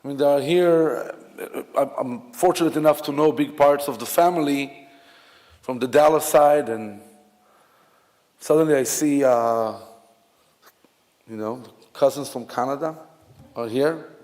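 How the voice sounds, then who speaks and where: Israeli male officiant, reflective and unhurried, fillers and restarts, long hall reverb. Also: mid-range voice, darkish tone. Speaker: officiant at a memorial service. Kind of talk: memorial eulogy.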